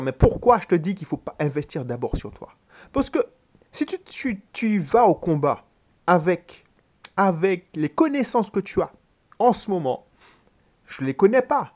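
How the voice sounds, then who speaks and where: A man's voice: fairly high pitch, darkish tone. Man hosting a motivational business podcast. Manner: addresses the listener directly and informally, with frequent restarts; emphatic, pushing the listener to act. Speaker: podcast host. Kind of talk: motivational solo podcast talk.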